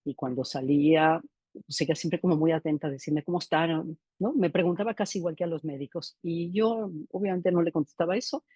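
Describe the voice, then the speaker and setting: A middle-aged woman with a deep, warm, slightly breathy voice speaks fairly quickly, with no room sound. She's narrating a clinical case in a seminar lecture, reflective in manner, and often closes her phrases with a questioning "¿no?".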